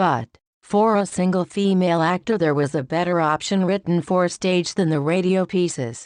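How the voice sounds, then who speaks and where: A robotic, put-on character voice at a middle pitch, with a calm, deadpan tone. It moves at a moderate pace against a quiet background. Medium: audio drama. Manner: calm, measured, deadpan.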